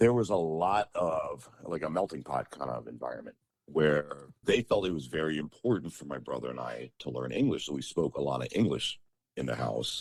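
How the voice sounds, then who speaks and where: A man speaks with a very deep, low pitch and vocal fry. His pace is moderate and his intonation lively. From Sri Lanka, raised in US from childhood. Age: 40s. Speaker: voice actor and audio producer. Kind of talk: interview conversation. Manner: casual, animated.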